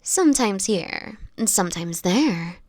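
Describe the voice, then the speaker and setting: Voicing a frail, coughing vampire woman weary of the world, a woman delivers a grave warning in an intimate audio drama. She speaks at a medium pitch, expressively yet hushed and breathy, very unhurried, using somewhat formal, old-fashioned phrasing. Gentle and protective in tone, the recording is close and dry, with no room sound.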